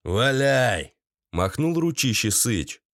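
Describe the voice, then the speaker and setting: A man reading an audiobook in a steady, dramatic narration. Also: mid-range voice, moderate pace, no echo, studio quality. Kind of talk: scripted narration.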